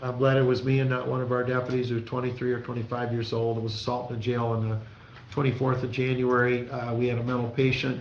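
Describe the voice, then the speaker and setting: Delivered at a very fast pace with monotone, flat intonation, the speech carries audible room echo. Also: man, medium pitch for a man. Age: 60s. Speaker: county sheriff. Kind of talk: public meeting report. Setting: county board meeting.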